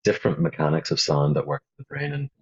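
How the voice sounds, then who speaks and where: A man with a Belfast accent, a guest calmly explaining his meditation work in an interview. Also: extremely low pitch, fast. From Northern Ireland. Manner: calm, flowing explanations with frequent fillers. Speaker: guest, founder of a meditation app. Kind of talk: interview conversation. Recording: dull, muffled lo-fi audio.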